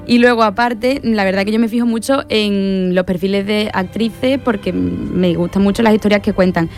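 A woman's voice: mid-range voice, steady tone, moderate pace, a little mellow, faint music behind. A woman co-hosting a radio show, effusive and gushing. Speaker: radio co-host. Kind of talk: radio chat.

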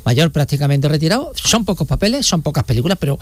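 Guy reporting live, kinda high voice, jokey and rambly, dry close sound. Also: sing-song, fast, husky, dry recording. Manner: joking, rambling with fillers and restarts. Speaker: regional correspondent.

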